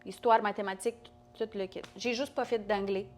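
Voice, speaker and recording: A woman's voice: mid-range voice, steady tone, fairly quick. A young woman who speaks French with a non-native accent, chatting as a podcast guest with frequent restarts and fillers. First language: not French. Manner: hesitant, many restarts and fillers. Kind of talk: casual conversation.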